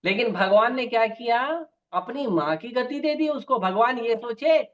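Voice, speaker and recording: A man's voice: very high voice, expressive, measured pace, fairly bright tone. A man preaching a devotional sermon with stories, emphatic and repeating key phrases. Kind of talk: Hindi devotional sermon with storytelling. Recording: dull lo-fi recording.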